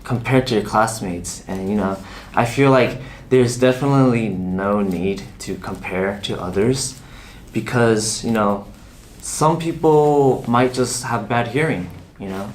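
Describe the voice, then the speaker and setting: A young man with a fairly low voice talks softly and reassuringly, leaning on "you know" as he goes. There is a faint hum of noise behind him. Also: a little slow. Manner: gentle, reassuring, many "you know" fillers. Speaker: K-pop idol answering a fan. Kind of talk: casual chat.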